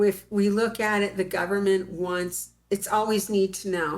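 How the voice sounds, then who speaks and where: An ordinary speaking voice from a woman, medium in pitch, fairly even in intonation and fairly slow in pace. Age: 60s. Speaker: interviewee describing alien encounters. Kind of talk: interview.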